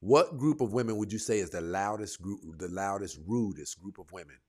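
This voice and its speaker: A man hosting a live call-in debate show, confrontational, firing rapid leading questions at his guests. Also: fairly low pitch. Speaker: host.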